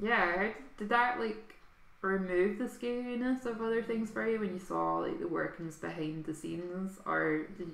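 A woman in a normal speaking voice, medium in pitch with ordinary pitch variation, at a moderate pace. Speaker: co-host reading chat comments. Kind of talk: casual live stream chat. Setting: live video stream.

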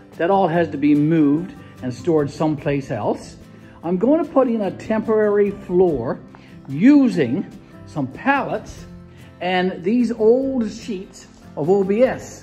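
Faint music plays behind a woman who talks at a very slow pace. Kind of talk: casual vlog chat. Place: garage. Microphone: phone near.

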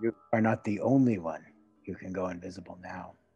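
This man puts on a character voice with a fairly low pitch. He talks at a fairly quick pace. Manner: mysterious.

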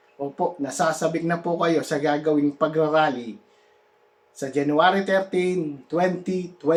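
A fairly slow, fairly high-pitched male voice with fairly even intonation. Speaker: vlogger. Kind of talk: vlog commentary; earnest, polite talk about an upcoming church rally, not a rally speech. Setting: online video, solo. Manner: polite, formal, repeats 'po'; halting, with fillers and repeated phrases.

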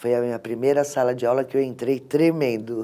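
This woman has a very deep, low pitch and a dark, mellow tone. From Santos, São Paulo state, Brazil; São Paulo state, Brazil. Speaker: city councillor, former teacher. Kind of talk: interview. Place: studio. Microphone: lapel.

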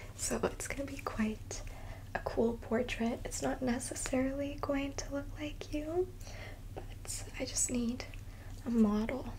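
Light background noise accompanies a soft-spoken woman talking at a fairly slow pace. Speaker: ASMR creator. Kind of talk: ASMR personal attention roleplay.

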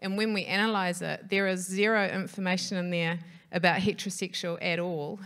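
Against a quiet background, a woman with a New Zealand accent speaks in a monotone, flat intonation. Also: fairly quick pace. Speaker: education researcher, audience member; audience member. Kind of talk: audience question. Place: hall.

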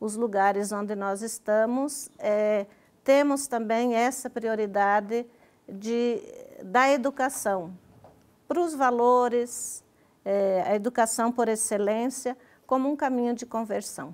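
Speaking very slowly with long, frequent pauses, a woman uses a fairly high pitch and ordinary pitch variation. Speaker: guest. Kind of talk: TV interview. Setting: TV studio. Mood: warm, calm explanation. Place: studio. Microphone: lapel.

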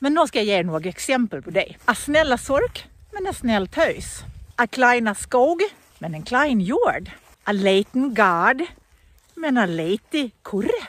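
In a Gotland accent, a woman talks at a fairly slow pace and a high pitch, with very wide pitch swings and a dry sound with no echo. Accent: Gotlandic dialect. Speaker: dialect video host. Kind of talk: dialect grammar lesson to camera. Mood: playful, humorous. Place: open country. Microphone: phone near.

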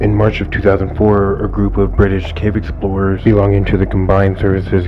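Through noticeable background noise, a man with a very deep, low pitch speaks in a monotone, flat intonation. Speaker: documentary narrator. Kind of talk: storytelling narration.

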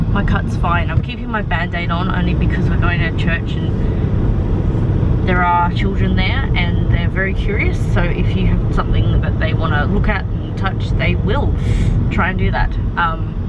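Against loud background noise, a woman talks at a moderate pace in a dry sound with no echo. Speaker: vlogger. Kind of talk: casual vlog chat. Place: car. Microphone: phone near.

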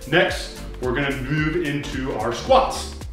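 A man talks at a fairly slow pace. Audible room echo surrounds him, with faint music in the background. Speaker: fitness coach. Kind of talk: tutorial. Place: gym. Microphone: camera far.

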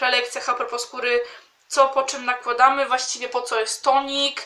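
In a raised, projected voice, a woman speaks. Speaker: vlogger. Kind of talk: casual vlog chat. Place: home room. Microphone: webcam.

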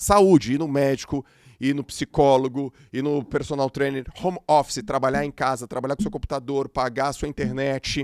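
A man's fairly high, animated voice at a moderate pace, with a dry sound with no echo and a quiet background. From Brazil, Santos (São Paulo state). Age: 40s. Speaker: podcast host. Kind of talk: casual interview. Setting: studio. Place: studio. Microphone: studio mic.

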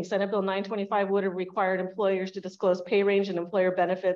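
A woman talks at a fairly quick pace. The background is quiet. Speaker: lobbyist. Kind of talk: legislative update presentation. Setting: meeting room with live audience, microphone. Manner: fast talker. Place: meeting room. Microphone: camera far.

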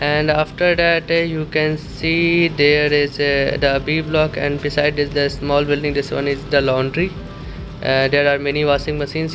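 Music plays behind a man talking at a moderate pace. His intonation stays flat and monotone. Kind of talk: casual vlog tour narration. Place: street. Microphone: phone near.

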